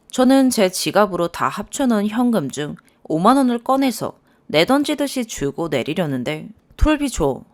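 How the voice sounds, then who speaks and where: A young woman reading a first-person story aloud as narrator, expressive and lively. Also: mid-range voice.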